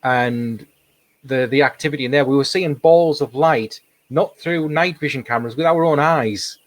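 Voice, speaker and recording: A man talks casually as a paranormal investigator being interviewed. His voice is a little hoarse and sits at an average pitch. He tells his anecdotes chattily, repeating words for emphasis. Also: moderate pace, no echo. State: slightly hoarse, losing his voice.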